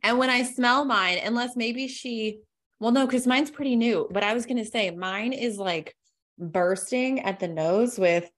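A woman co-hosting a casual podcast, describing things in an animated, rambling way with laughs. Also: fairly high pitch, a little slow. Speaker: podcast co-host. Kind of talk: casual chat.

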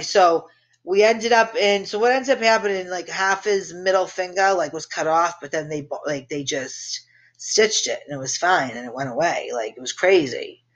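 A woman's voice: on the low side, lo-fi sound. Brash, profane woman telling a story. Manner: brash, profane, laughs at her own story. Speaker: podcast host. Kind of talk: casual storytelling.

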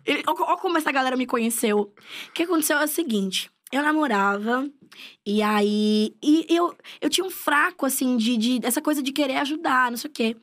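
A woman's voice: high voice, brisk. A young woman chatting casually, telling a story animatedly and acting out the people in it. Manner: animated storytelling with quoted voices. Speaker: guest storyteller. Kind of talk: casual chat.

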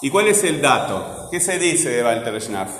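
A male teacher, patiently drilling a class and repeating phrases slowly. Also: medium pitch, big pitch swings, a bit bright, a little hiss or hum. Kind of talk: classroom lesson. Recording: echoey classroom with long reverb.

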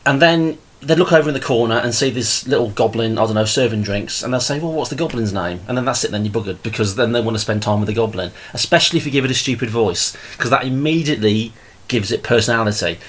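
Husky rambling man, podcast host. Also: on the low side. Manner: rambling, with many fillers and restarts. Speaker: podcast host and game master. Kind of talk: casual solo podcast talk.

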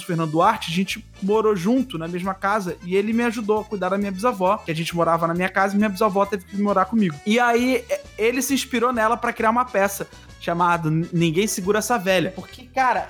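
A man's voice: sits high, fast talker, soft background music. A Brazilian man in his thirties, co-hosting a casual podcast chat, telling funny family stories with lots of laughter. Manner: animated storyteller, laughs often. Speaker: podcast co-host.

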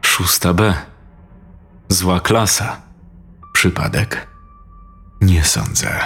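Coarse conspiratorial buddy, man's own low voice, unhurried. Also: lively intonation, vocal fry, fairly bright tone, husky, soft background music, exaggerated voice. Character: young man, scheming old school friend.

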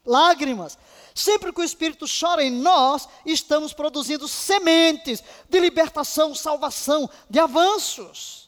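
A woman Bible teacher giving a fervent, emotional lesson on intercession, now and then breaking into soft laughs. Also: sits high, moderate pace, hardly any pauses. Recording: long hall reverb.

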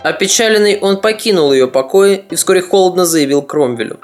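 A podcast narrator reading a scripted history story in a measured, slightly ironic way. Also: medium pitch, lively intonation, faint music behind.

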